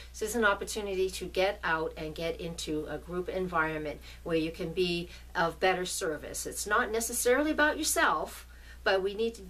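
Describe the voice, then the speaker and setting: A middle-aged woman with a New England accent, an astrologer giving a casual forecast and often checking in with her listeners. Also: fairly low pitch. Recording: voice a bit distant from mic.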